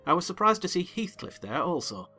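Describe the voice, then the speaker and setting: A man giving an expressive, measured dramatized reading of a classic novel. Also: sits high, soft background music. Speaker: narrator.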